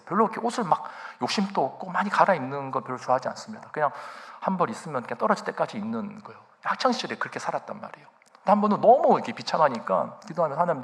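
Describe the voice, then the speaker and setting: A man's voice: medium pitch, gravelly, fairly bright tone. A male pastor preaching a sermon in a church sanctuary, telling stories with animation and putting rhetorical questions to the congregation.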